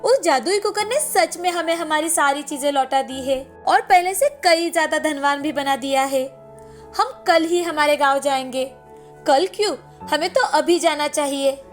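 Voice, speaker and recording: A woman's voice: high-pitched, a little slow, faint music behind. A woman playing an eager, devoted cartoon wife. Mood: excited. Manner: eager, affectionate. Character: devoted, emotional adult wife.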